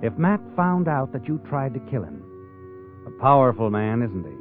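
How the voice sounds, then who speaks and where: A man's voice: medium pitch, very animated, moderate pace, natural voice. An actor playing an ominous, knowing narrator of crime tales in a 1940s radio drama, taunting and theatrical as he addresses his character. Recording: tinny old radio recording, music behind.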